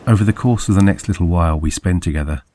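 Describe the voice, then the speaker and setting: A man narrating a scripted guided sleep meditation as a hypnosis guide, soothing and measured, with deliberate phrasing. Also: low-pitched, mellow, slight background noise.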